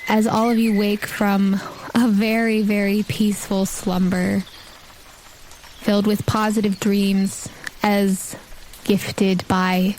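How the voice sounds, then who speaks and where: A woman's voice: medium pitch, little pitch movement, slow, a little mellow, a little hiss or hum, poor audio. A woman acting as game master, narrating a tabletop role-playing game in a descriptive, scene-setting way.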